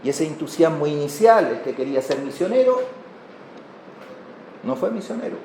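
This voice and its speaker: A man's voice: on the high side, lively intonation, moderate pace. A man with a Chilean accent preaching a sermon, telling stories and putting rhetorical questions to his congregation. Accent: Chilean Spanish. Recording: echoey room with faint background noise.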